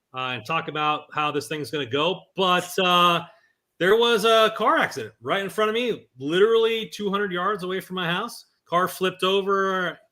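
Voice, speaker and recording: Male podcast host, higher pitch, bright tone, upbeat hype delivery. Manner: energetic, hype-building. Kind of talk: casual podcast chat.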